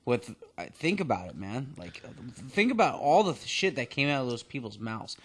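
A man's voice: mid-range voice, sing-song, normal speed, fairly bright tone. A man co-hosting a podcast with exclamatory, jokey chat and plenty of swearing. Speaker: podcast co-host. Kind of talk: casual joking chat.

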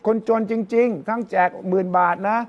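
An older man analysing politics in a casual discussion, telling stories and quoting others in lively voices. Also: sits high, moderate pace, dull audio. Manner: animated storytelling, quotes others in lively voices. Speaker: political commentator.

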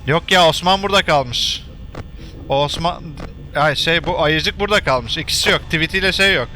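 Guy playing a scary game and chatting away, bright kinda high voice, little bit of hiss. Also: moderate pace. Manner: chatty, jokey, shouts and curses when startled. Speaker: gamer playing a horror game. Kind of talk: let's play commentary.

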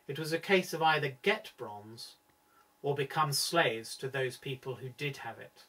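Man, middle-aged, scripted lecture narration, measured and formal, medium pitch, slightly far from the microphone. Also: expressive, bright, forceful tone. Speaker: presenter.

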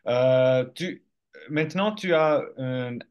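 A young man hosting a podcast, asking halting questions over a video call through a headset. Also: medium pitch, darkish tone, smooth, highs cut off. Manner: brief backchannels and halting questions. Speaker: podcast host.

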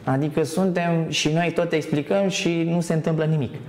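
A man's voice: a little high, steady tone, darkish tone, echoey room. A man as a guest on a TV talk show, speaking earnestly about spirituality and hesitating with many fillers. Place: TV studio.

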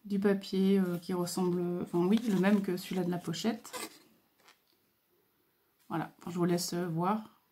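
A woman hosting a casual craft video, talking hesitantly with many fillers and pauses as she admires what she shows. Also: on the low side, little pitch movement, slight background noise. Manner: admiring, soft-spoken. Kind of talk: casual show-and-tell.

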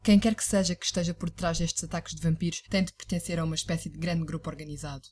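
A woman's voice: low voice, steady tone, fast, a little mellow, a little hiss or hum, lightly acted. A woman with a European Portuguese accent voicing a stern, bossy, foul-mouthed commander in a comedic anime parody dub. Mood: curt, dismissive. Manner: curt, authoritative.

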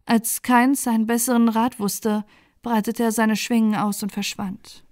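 A woman storyteller narrating a bedtime fairy tale in a gentle, slow, calm manner. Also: fairly high pitch, dry recording, studio quality. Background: faint music.

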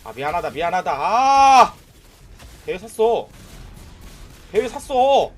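A young man giving casual, excitable commentary over his own mobile game, trash-talking and narrating his plays. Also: high voice, slow. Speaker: gaming YouTuber.

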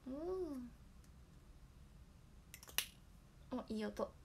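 Young woman, hoarse, gravelly voice, slightly high pitch, casual livestream chat, phone mic. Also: animated, extremely slow, background noise. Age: young adult. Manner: chatty, thanks viewers for gifts by name. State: hoarse after a nap. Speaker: idol livestreamer.

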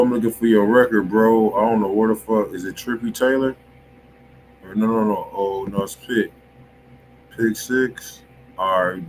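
An American man with a very low voice hosts a live music stream. He talks in casual, swearing slang, laid-back and often thinking aloud. There is faint noise behind him, as from a home setup. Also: darkish tone. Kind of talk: casual slangy livestream chat. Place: small room indoors. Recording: noisy home livestream microphone.

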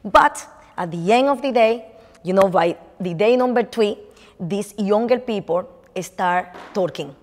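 A woman's voice: medium pitch, lively intonation, a little slow, a little mellow. Middle-aged woman with a Dominican Spanish accent, chatty lecturer in a reverberant hall, many restarts. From Dominican Republic. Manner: chatty, many restarts and fillers, gesturing as she speaks. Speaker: visiting artist lecturer. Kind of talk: lecture on her art. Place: lecture room in front of a projected slide.

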